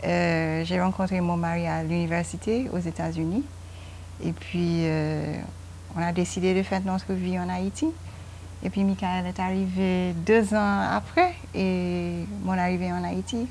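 A woman in her fifties from Guyana, interviewed on the veranda of a home. She speaks slowly and hesitantly in a fairly low voice, pausing often with fillers. A lapel mic picks her up, with faint ambience behind her. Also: level tone, a little mellow, slight background noise. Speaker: interview guest, mother.

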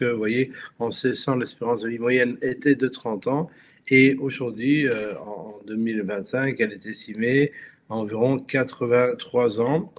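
A man born in Belgium presents slides to an online audience, and his delivery stumbles often, with restarts and fillers between phrases. He speaks over a video call with a faint noise behind him. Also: medium pitch. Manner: halting, many restarts and fillers. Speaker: guest speaker. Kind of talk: webinar presentation.

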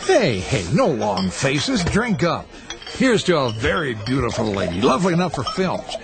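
An actor playing a smooth, scheming male film director who hides a menacing purpose, in a radio drama. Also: medium pitch, big pitch swings, normal speed. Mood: ingratiating. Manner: boisterous, ingratiating host turning menacing. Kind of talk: 1980s radio drama acting. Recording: radio play with music behind.

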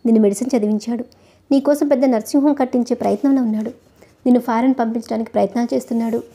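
A woman's voice: a little high, steady tone, very fast, mellow. A woman reading as a pleading middle-aged mother. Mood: coaxing. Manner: coaxing, reproachful.

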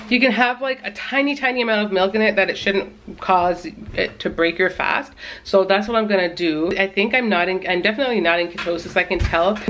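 A woman in her thirties from Canada, chatting casually to the camera in her home kitchen while holding the camera at arm's length, animated and often laughing. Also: medium pitch. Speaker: family vlogger. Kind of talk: casual vlog chat. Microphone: handheld camera at arm's length.

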